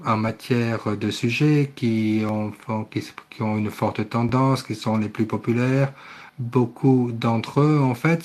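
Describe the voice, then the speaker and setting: A man interpreting a conference session live, speaking haltingly and often correcting himself. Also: medium pitch, darkish tone. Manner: halting delivery with self-corrections. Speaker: simultaneous interpreter.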